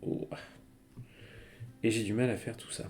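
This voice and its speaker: Mellow-voiced man teaching casually. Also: fairly low pitch, flat delivery, a little slow. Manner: chatty, many fillers, laughs while explaining. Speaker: Japanese teacher. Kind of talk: casual live-stream lesson. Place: home streaming setup.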